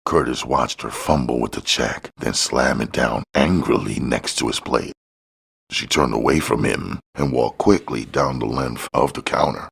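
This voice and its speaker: A man's voice: a bass voice, unhurried, gravelly, husky. A man reading crime fiction aloud as scripted audiobook narration.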